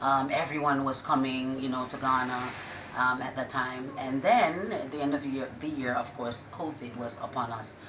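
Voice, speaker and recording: Very low-pitched woman, echoey recording. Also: normal speed. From Jamaica. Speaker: restaurant owner, interview guest. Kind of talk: casual interview storytelling. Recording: echoey room with loud-ish background noise.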